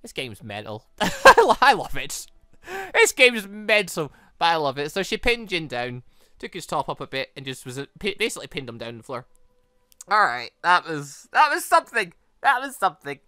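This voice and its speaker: A gaming host giving casual, rambling commentary in an excitable, conversational way. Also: mid-range voice, normal speed, clean tone, no echo, clean studio sound.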